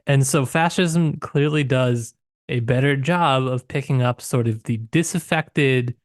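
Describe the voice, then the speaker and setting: A man's voice: medium pitch, no echo, studio quality. A man co-hosting a podcast in casual book discussion, tentative, often circling back to rephrase as he thinks aloud. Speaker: podcast co-host.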